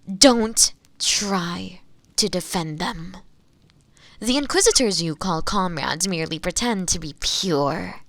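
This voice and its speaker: Woman acting as seductive yandere witch, slow delivery, gravelly fry, teasing, possessive, audio roleplay. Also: fairly low pitch, no room sound, full character voice. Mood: bitter, disdainful. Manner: slow, teasing, hushed at times, with pet names. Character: imprisoned witch, seductive, obsessive yandere, bitter toward inquisitors. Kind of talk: scripted audio roleplay spoken to the listener.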